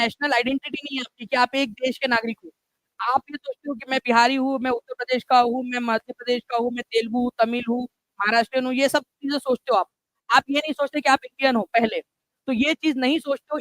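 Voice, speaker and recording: A man's voice: very high voice, a bit bright, no echo, poor audio. A male teacher running a live online exam-prep class, chatty and repetitive, often checking in with students. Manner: chatty, repeats key points with frequent "theek hai" and "friends".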